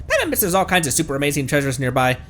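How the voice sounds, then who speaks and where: A man voicing a small, excitable, childlike female fairy companion from a game. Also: fairly high pitch, very fast, a little hiss or hum. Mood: excited.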